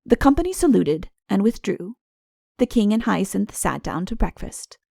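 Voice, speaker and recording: Creaky-voiced woman narrating a storybook. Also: mid-range voice, sing-song, normal speed, warm tone, dry recording, studio quality. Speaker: audiobook narrator.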